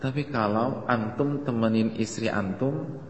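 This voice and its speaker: A man's voice: mid-range voice, measured pace. A man preaching a sermon in a conversational way, putting questions to his audience. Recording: echoey hall with faint noise.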